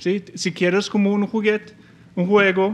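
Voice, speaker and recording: A man with a non-native accent speaks at a fairly slow pace in a high pitch. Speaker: tech conference speaker. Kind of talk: technical talk. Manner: halting, many fillers and false starts.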